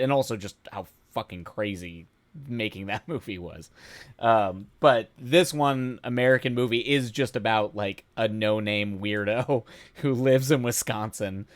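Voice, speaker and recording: Give me a streamer host, a man with a smooth, resonant voice and halting, laughing delivery. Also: on the low side, no room sound. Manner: rambling, halting restarts, frequent laughs. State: voice going hoarse. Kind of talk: casual live-stream chat.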